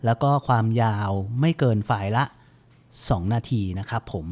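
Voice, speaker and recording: A man hosting a computer help show, giving a relaxed, chatty step-by-step screen-reader tutorial with lots of fillers. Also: medium pitch, moderate pace.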